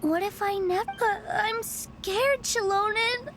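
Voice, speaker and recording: A woman's voice: very high voice, slow pace, a loud crowd. An actress voicing a timid, lost young girl in a video game, hesitant, plaintive and innocent. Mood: frightened, lost.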